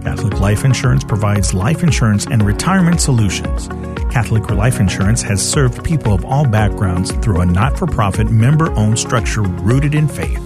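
A man reading a sponsor message in a polished, lively announcer manner. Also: fairly low pitch, normal speed, loud music behind the voice.

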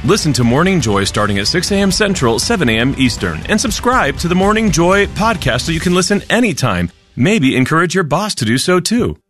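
A man's voice: on the high side, big pitch swings, fairly quick, few pauses, a bit bright, soft background music. A man hosting a morning radio show, reading an upbeat persuasive promo.

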